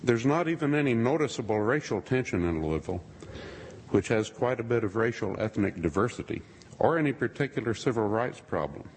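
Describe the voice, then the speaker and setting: A man giving a sermon-style talk to a congregation, with dry, wry asides and a husky voice. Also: fairly low pitch. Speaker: speaker addressing a congregation. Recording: long reverb of a large hall.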